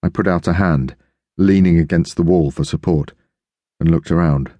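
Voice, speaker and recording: A man narrating an audiobook in the first person, steady and measured. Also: deep voice, no echo.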